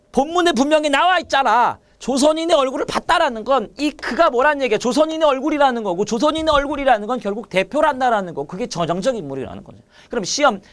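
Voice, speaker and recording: A man teaching literature in an online exam-prep lecture, repeating key points and firing quick questions at his students. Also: sits high.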